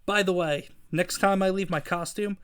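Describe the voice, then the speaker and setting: A man's voice: high voice, steady tone, normal speed, a bit bright, clear, resonant tone. A man voicing a cocky, teasing comic-book superhero with a breezy, taunting delivery.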